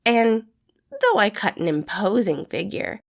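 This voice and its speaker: A woman voicing a brash, flirty, excitable man in a storybook reading, with casual, slangy, emphatic delivery. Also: medium pitch, unhurried, pitched above the performer's own voice, exaggerated voice. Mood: teasing, confident. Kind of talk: acted storybook dialogue in fan fiction reading.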